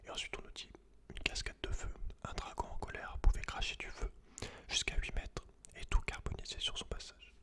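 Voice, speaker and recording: A man whispers throughout in a breathy, voiceless tone. He delivers it as ASMR, softly reading and explaining things informally and directly to the listener. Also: normal speed. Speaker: ASMR video creator. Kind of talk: whispered ASMR, reading aloud with casual asides.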